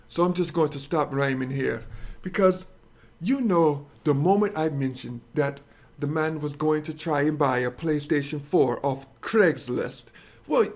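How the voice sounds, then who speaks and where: A man's voice: fairly high pitch, creaky, darkish tone. A man hosting and narrating a dramatized comic story in a crude, sarcastic, mock-dramatic way. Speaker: host and storyteller.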